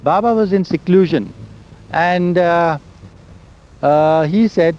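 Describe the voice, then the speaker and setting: Older man, halting recollection. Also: a little high. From India. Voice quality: loud voice. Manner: slow, halting storytelling of memories. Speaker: interviewee. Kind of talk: oral history recollection. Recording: dull lo-fi recording with faint hiss and vehicle sounds.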